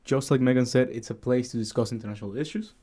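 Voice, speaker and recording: A man's voice: mid-range voice, quick pace, dark tone. A young man from Venezuela, a student co-hosting a podcast, speaking earnestly with some fillers and restarts. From Caracas, Venezuela. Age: young adult. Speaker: podcast co-host. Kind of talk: casual student podcast chat.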